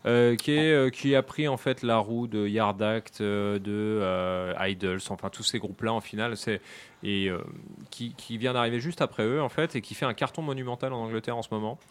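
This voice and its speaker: Male radio host, casual studio chat, halting delivery full of fillers. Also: on the low side, clean tone. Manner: hesitant, many fillers and restarts.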